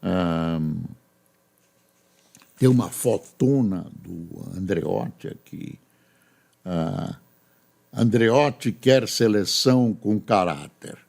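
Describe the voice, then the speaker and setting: An older Brazilian man, a news anchor, reading newspaper stories aloud and adding chatty, unhurried remarks between them. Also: sits low, expressive, creaky, darkish tone.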